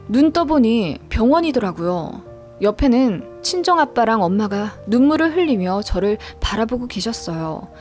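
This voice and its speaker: A woman narrating a true family story in a steady, earnest storytelling manner. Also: a little high.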